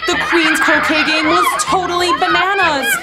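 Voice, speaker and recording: A woman's voice: very high voice, steady tone, normal speed, a loud crowd, heavy background noise. A woman telling a children's story in character as a girl, with a bubbly, exclamatory, giggly manner. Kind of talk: animated first-person storybook narration in character as a girl.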